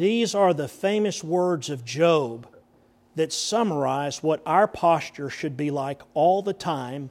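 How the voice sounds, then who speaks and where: Someone with a Texan accent speaks at a very slow pace with ordinary pitch variation, in a very clean recording with a silent background. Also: man. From Texas. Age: 50s. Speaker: pastor. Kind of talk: sermon. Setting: church.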